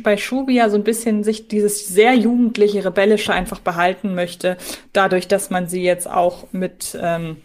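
A woman's voice: mid-range voice, a little mellow. A woman co-hosting a podcast, talking conversationally in a fan discussion. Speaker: podcast co-host.

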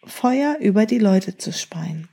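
Storybook dragon, sad and reasonable, soft mellow voice, read by a woman. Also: medium pitch, animated, takes it slowly, vocal fry, exaggerated voice. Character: fire-breathing dragon, male, sad and gentle.

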